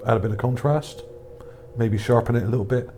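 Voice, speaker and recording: Speaking briskly in a mellow, mid-pitched voice, this video narrator shows off images he found himself. His commentary is casual and off-the-cuff, thoughtful but halting, and there's some noise in the background.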